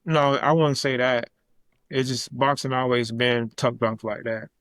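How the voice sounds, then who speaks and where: Man, boxer guest: easygoing, monotone, slangy, dry close sound. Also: medium pitch, unhurried, no echo. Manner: laid-back, plain answers, slangy grammar. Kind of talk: casual interview answers.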